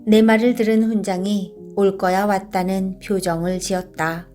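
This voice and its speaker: Calm woman reading a storybook aloud. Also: medium pitch, normal speed, soft background music. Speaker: storybook reader. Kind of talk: storybook narration.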